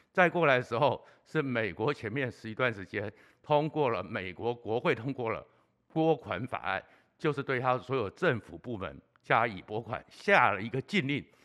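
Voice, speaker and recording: A man speaks in a bright, sharp tone with lively intonation against a quiet background. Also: medium pitch for a man, moderate pace. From Taiwan. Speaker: political commentator. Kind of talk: solo political commentary. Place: studio. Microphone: studio mic.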